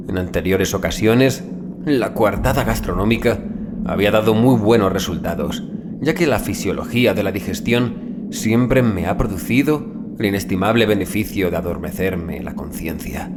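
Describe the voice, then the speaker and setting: A man's voice: on the low side, moderate pace, background noise. A man reading a first-person horror story as an audiobook narrator, in a grave, theatrical delivery.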